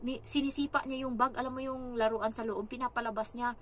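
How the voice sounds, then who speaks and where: A young Filipina woman chats through a casual vlog about the household where she works, and her fairly high voice keeps jumping up as she acts out what everyone said. Her stories move along loosely and with a lot of animation, and there's a faint hum of background noise behind her. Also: quick pace. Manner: animated, acts out quoted lines in a raised voice. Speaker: caregiver working in a household.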